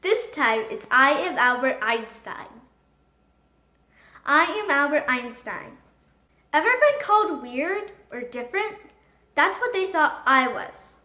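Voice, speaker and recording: A woman reading a children's book aloud in an expressive, dramatic storytelling manner. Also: sits high, slow pace, pauses often. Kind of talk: animated storybook narration. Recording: echoey room.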